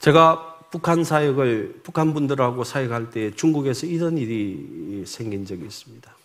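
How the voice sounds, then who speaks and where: Using a plain, everyday voice, a man talks at a fairly slow pace with a fairly high pitch, lively intonation and big swings in loudness. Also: hardly any pauses. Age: 60s. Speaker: missionary preacher. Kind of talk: sermon. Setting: church.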